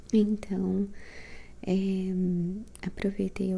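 A woman speaks softly in a relaxed, dark and mellow tone, her medium-pitched voice somewhat breathy and her intonation flat and monotone. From Brazil. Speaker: ASMR content creator and beauty expert; ASMR content creator. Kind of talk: casual talk to camera, ASMR vlog. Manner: soft-spoken, relaxed.

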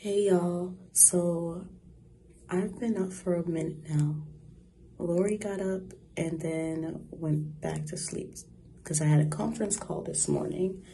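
Light background noise sits behind a woman's somewhat breathy, fairly low voice. Her intonation is fairly even, with long, frequent pauses. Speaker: vlogger. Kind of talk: casual vlog chat. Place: home room. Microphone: phone near.

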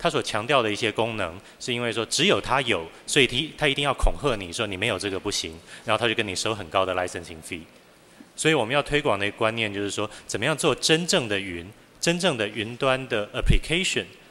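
A man with a bright, sharp tone, lively intonation and a fairly quick pace. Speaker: engineering department head; conference speaker. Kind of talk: audience Q&A answer. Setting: stage with audience. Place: hall. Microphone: podium.

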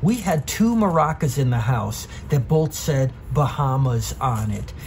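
The tone is animated and the intonation lively. Noticeable background noise is present. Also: man. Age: 40s. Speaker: YouTuber reviewing comics and collectibles. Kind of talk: casual show-and-tell video.

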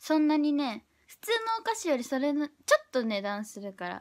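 Against a quiet background, a woman talks at a fairly quick pace in a cheerful tone. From Niigata, Japan; Japan. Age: 20s. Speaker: live streamer. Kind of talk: live stream chat reading viewer comments. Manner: cheerful, laughing often. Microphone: phone near.

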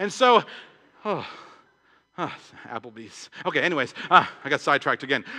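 A man's raised, projected voice, bright and sharp in tone, over a quiet background. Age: 30s. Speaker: pastor. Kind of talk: sermon. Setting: church. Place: church.

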